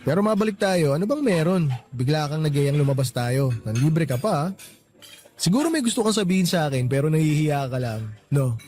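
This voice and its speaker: Devoted Filipino boyfriend, played by a man, higher voice. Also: lively intonation, a little fast, darkish tone, faint music behind, lightly acted. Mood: apologetic, curious. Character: affectionate Filipino boyfriend working overseas, easygoing, devoted. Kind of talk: Tagalog radio romance drama dialogue.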